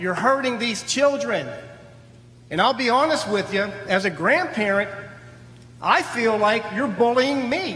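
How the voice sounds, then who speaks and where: A man speaks in a raised, projected voice at an extremely high pitch, fairly slowly and with lively intonation. Noticeable background noise and audible room echo surround him. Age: 60s. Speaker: public commenter at school board meeting. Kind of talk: public comment speech. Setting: public meeting. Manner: animated.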